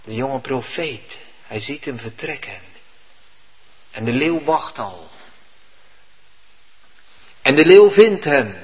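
Husky-voiced Dutch-speaking preacher in a reverberant church. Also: male voice, medium pitch, lively intonation, takes it slowly, long pauses. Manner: earnest, vivid storytelling preaching. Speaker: pastor. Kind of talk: sermon. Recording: dull recording with long hall reverb.

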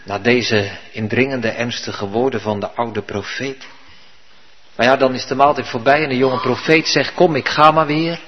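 A man's voice: medium pitch, fairly even intonation, normal speed, slight background noise. A male pastor preaching a sermon in church, telling the story vividly and earnestly. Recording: dull recording with long hall reverb.

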